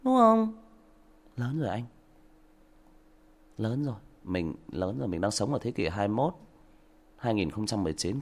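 Man, livestream rant, sarcastic, lecturing, bursts of loudness. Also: fairly low pitch. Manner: sarcastic, lecturing, with sudden loud outbursts. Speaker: livestream story reader addressing a commenter.

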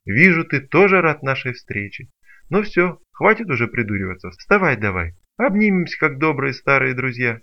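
A man voicing a cocky, playful male stalker who teases loudly and theatrically. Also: mid-range voice, sing-song, moderate pace, voice pushed up. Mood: mocking. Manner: loud, teasing, theatrical. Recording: dull lo-fi recording.

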